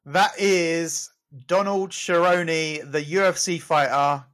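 A man's voice: fairly high pitch, steady tone, takes it slowly, fairly bright tone. A man, co-hosting a podcast and running a quiz in an upbeat, chatty way that breaks easily into laughter. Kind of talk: casual chat.

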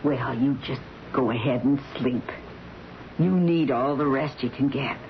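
A woman's voice: a bass voice, measured pace. An actress playing a prim, chatty woman who minds a bedridden patient in a radio drama. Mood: casual, solicitous. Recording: dull vintage radio, faint noise.

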